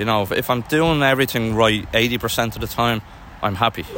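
With noticeable background noise, a man in an Irish accent speaks with fairly even intonation. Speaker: physiotherapist. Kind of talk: casual interview.

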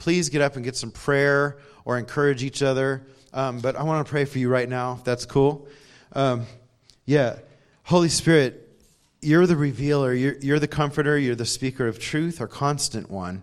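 A man with an American accent speaks at a fairly high pitch and a moderate pace, in an unremarkable speaking voice. His intonation is fairly even, and the background is quiet. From California. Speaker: pastor. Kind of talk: sermon.

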